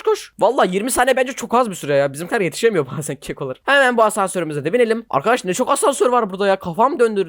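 A man hosting a gaming channel, commenting live as he plays, excitable and joking, teasing his teammates. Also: high-pitched, dry recording, studio quality. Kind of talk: playing a game while commenting live.

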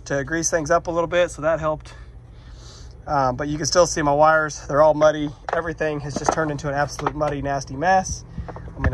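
Man, fairly high voice, casual how-to talk with self-deprecating asides, filmed on a phone outside with faint background noise. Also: fairly bright tone. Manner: chatty, self-deprecating, explains as he works. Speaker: vlogger doing electrical work. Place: outdoors by a metal shop, rainy muddy yard.

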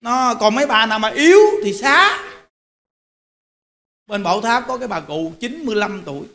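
Bright-voiced monk preaching in an animated, exhorting way. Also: male voice, high voice, normal speed. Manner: animated, exhorting the audience, direct. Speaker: Buddhist monk. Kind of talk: sermon.

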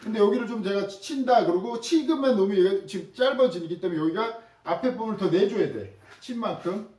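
High-voiced chatty male sewing teacher. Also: a little mellow, echoey room, far from the mic, low-quality recording. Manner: chatty, demonstrative, addresses viewers directly. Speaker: sewing instructor. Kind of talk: casual sewing tutorial.

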